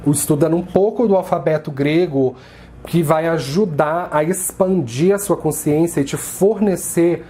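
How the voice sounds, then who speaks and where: Brazilian man as a patient teacher, slow mellow voice, careful pronunciation drills. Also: on the high side, slight background noise. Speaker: astrology teacher. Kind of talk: introductory lesson.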